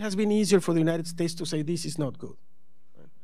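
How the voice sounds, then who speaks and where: Heard with audible room echo, a man speaks in a high pitch with a Spanish accent. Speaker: panelist on Latin American politics. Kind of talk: panel discussion. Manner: halting, many repetitions.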